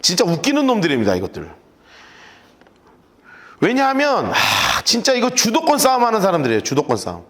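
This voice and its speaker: Lively high-voiced male pastor preaching. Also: fairly quick, pauses often. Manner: animated, joking, conversational preaching. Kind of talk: sermon with Bible study notes.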